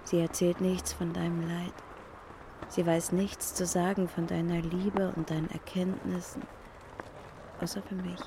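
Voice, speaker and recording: A woman's voice: fairly low pitch, flat delivery, unhurried. A woman speaking an intimate first-person literary narration, addressing an absent person directly, outdoors on a city street. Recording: loud street and traffic noise.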